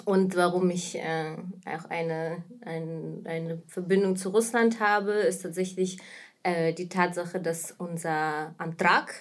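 A woman's voice: lowish voice, steady tone, slow. A woman in her thirties from Kazakhstan, a native Russian speaker, talks in German with a Russian accent in a casual interview as a guest. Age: 30s. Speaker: podcast guest, anti-racism activist and trainer.

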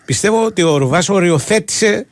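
A man's voice: sits high, expressive, dry recording. A man co-hosting a sports radio show, chatting casually and laughing often. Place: radio studio.

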